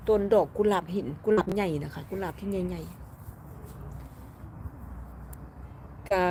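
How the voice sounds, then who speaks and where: A woman's voice: mid-range voice, a little mellow, slight background noise. A woman with an Isan Thai accent chatting casually with live viewers from her garden, laughing often as she reads their comments. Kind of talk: casual live-stream chat. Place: home garden outdoors.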